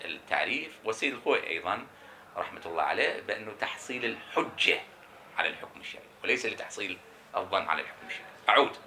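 A man's voice: on the low side, expressive, pushed and bright, a little hiss or hum. A man teaching a seminary lecture on jurisprudence, explaining emphatically and answering his own questions. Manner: repeats key terms slowly for emphasis.

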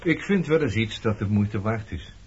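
Radio drama casting: actor as weathered sailor nearing forty, low voice, blunt and probing, on a muffled recording. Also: male voice, animated, moderate pace, close to an everyday voice. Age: late 30s. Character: weathered roaming sailor nearing forty, blunt, nosy, nonchalant old flame. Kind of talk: Dutch radio play dialogue. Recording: dull lo-fi radio recording, clear noise.

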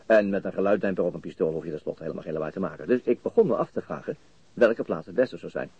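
A man's voice: sits low, animated, fast talker, creaky, a little mellow, slightly rough, dry recording, exaggerated voice. An actor playing a dogged, methodical middle-aged police chief inspector in a Dutch radio play, hesitating as he thinks aloud. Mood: absorbed, explaining. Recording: muffled, dull radio drama recording.

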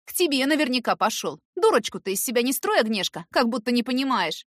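A bitter, jealous young woman, put on by a woman reader, hurls accusations in a high, shrill voice that keeps breaking toward tears. She sounds dry and close, as in an audiobook. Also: very animated, fast talker, no room sound. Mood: defensive.

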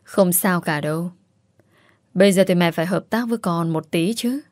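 A woman's voice: on the low side, normal speed, darkish tone, no room sound, studio quality, natural voice. A woman voicing a scheming young wife who fakes madness, speaking coldly and calculatingly. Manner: cold, calculating.

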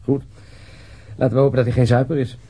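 A man acts an easygoing police detective in a radio play. He talks fast in a husky, mid-pitched voice. His manner is dry and casual. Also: level tone, mellow, close to an everyday voice. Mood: wry, casual. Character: easygoing, wry male police detective colleague. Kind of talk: radio drama acting.

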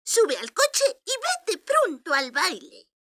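Sweet old lady fairy godmother for a kids storybook, high swoopy voice, slow and doting. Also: huge pitch swings, pushed and bright, full character voice. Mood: sweet, fussing. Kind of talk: children's storybook record.

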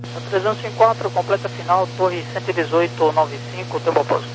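Brazilian atc guy talking really fast, crackly military radio, humming static, clipped instructions. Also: high voice. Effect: aviation radio transmission. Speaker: air traffic controller.

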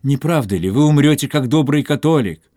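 A man's voice: mid-range voice, lively intonation, brisk, dark tone, no echo, studio quality, pitched above the performer's own voice, close to an everyday voice. A man voicing a Catholic monk coaxing a dying man to confess. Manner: coaxing, insistent. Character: insistent male Catholic monk, wheedling.

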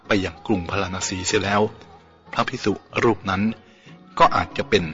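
A man's voice: deep voice, fairly even intonation, a bit bright, long reverb tail. A man voicing an anxious, protective elderly Brahmin uncle in an audiobook reading. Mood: firm. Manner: slow, shaky, then firm and earnest. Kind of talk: audiobook character voice. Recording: dull lo-fi with faint music.

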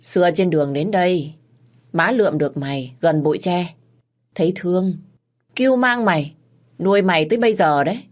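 A woman's voice: on the low side, moderate pace, pitched above the performer's own voice, lightly acted. A woman voicing a blunt, harsh older brother who speaks scornfully, in a storybook reading.

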